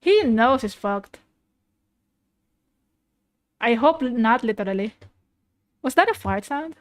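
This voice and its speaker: A woman's voice: on the high side, animated, slow pace, no echo. A woman VTuber giving casual, exclamatory reaction commentary with informal swearing, recorded close in a dry room. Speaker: VTuber host.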